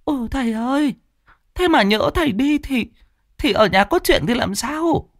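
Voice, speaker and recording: A flustered middle-aged village wife, as a male narrator puts her on. Her voice is pushed up very high and she stammers and repeats herself in a hurry to help. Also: expressive, a little slow, no room sound, studio quality, full character voice. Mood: worried.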